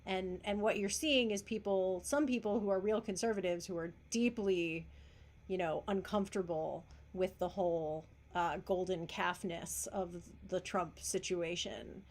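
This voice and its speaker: Creaky-voiced chatty woman host. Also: lowish voice, unhurried. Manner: chatty, wry, animated storytelling. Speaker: band member hosting a live hangout. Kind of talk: casual livestream chat.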